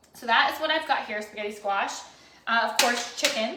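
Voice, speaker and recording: Over noticeable background noise and audible room echo, a woman speaks at a fairly high pitch. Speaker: chef and nutritionist. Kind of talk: live cooking tutorial. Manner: fast; high energy.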